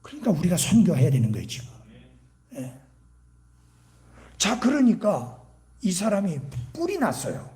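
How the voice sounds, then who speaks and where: Animated male revival preacher. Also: high voice, moderate pace, pauses often. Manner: animated, rhetorical questions, drops to a whisper. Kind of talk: sermon.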